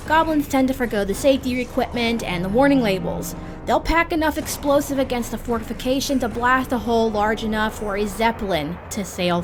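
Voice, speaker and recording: A woman hosting a guide series, reading scripted narration in a measured, theatrical manner with formal phrasing. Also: on the high side, slight background noise. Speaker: host of a roleplay guide series.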